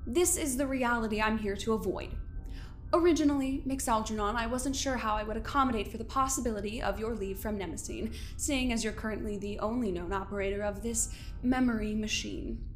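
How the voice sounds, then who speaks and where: A woman playing a smug, controlling overseer in an audio drama, delivering measured, condescending threats in a theatrical way. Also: a little high, faint music behind, lightly acted. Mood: coolly threatening. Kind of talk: scripted audio drama acting.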